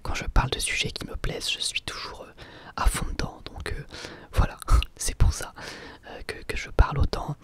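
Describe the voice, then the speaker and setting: A man's voice: moderate pace, fairly bright tone, no echo. A young man with a French accent whispering an ASMR question-and-answer session up close to the mic, rambling and enthusiastic with many fillers. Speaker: ASMR channel host. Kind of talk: whispered ASMR Q&A about anime.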